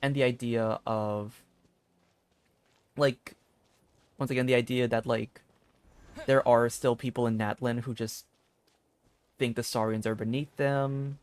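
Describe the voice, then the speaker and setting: A man giving casual gameplay commentary as a streamer, rambling and thinking aloud in a halting way. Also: mid-range voice, steady tone, darkish tone, clear, resonant tone, dry recording. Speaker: video game streamer.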